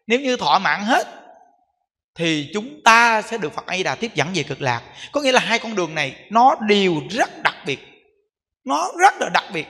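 A Southern Vietnamese monk preaches in a high, bright voice, hammering his points home with repeated phrases and rhetorical questions. His voice carries a long reverb, as if it fills a large temple hall. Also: very animated, normal speed. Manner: emphatic, repetitive, rhetorical questions to the audience. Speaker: Buddhist monk giving a dharma talk. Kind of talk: sermon.

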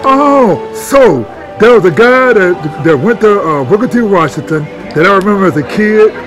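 Southern guy from memphis chatting up dancers at an outdoor party, high voice, music and crowd noise. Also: animated, moderate pace, low-quality recording. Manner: friendly, joking, repeats answers back. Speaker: interviewer and filmmaker. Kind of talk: casual street interviews.

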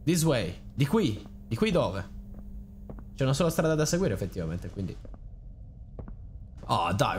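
A man's voice: medium pitch, darkish tone, a little hiss or hum. A young man giving casual, rambling, joking let's play commentary with theatrical reactions. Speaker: gaming channel host.

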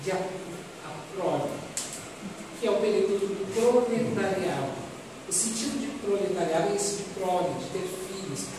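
A man's voice: high voice, moderate pace. Man, Brazilian accent, spiritist lecturer, didactic, repetitive phrasing, far from the microphone, very noisy recording. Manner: didactic, repeats phrases, asks rhetorical questions. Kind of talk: expository religious lecture to an audience. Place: medium-sized meeting room, indoors. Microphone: distant audience camera. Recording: echoey hall, distant microphone, loud noise.

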